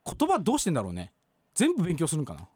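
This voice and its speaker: A man hosting a radio show, talking fast and swinging his voice up and down a lot. His voice sits a bit high and sounds dry and close. He is playful and chatty and teases his co-host. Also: huge pitch swings, darkish tone, slightly rough, no echo. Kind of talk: casual studio chat and news reading.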